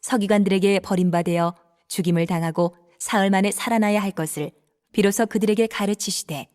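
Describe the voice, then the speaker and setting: A woman narrating scripture in a calm, even, reverent manner. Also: mid-range voice, brisk.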